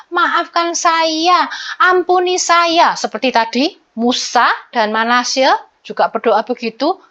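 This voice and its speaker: A woman teaching a Sunday school lesson to children, animated, often acting out children's prayers in a childlike voice. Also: fairly high pitch. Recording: dull lo-fi recording.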